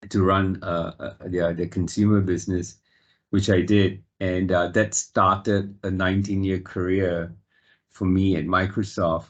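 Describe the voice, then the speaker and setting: A man in his fifties from Singapore, answering interview questions in a measured, reflective way with frequent fillers. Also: low voice, dull audio. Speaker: guest.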